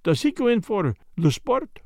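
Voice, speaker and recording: A man's voice: sits high, big pitch swings, dry recording, studio quality, pitched above the performer's own voice, exaggerated voice. A man voicing a polite, self-important Belgian detective with a French-speaking Belgian accent and mannered, precise phrasing, in a storybook reading. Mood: inquiring, courteous. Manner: mannered, deliberate, foreign phrasing.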